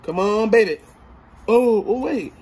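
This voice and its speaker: A man's voice: sits high, husky. A man in his thirties, casually joking and exclaiming as he digs through a storage unit. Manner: excited, joking, quick exclamations. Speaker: vlogger. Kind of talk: casual unboxing chat.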